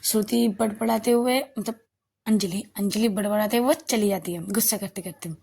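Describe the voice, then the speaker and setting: A woman's voice: medium pitch, steady tone, moderate pace, vocal fry, warm tone, slightly rough. A young woman narrating a love story in a casual, chatty way, often correcting herself as she goes.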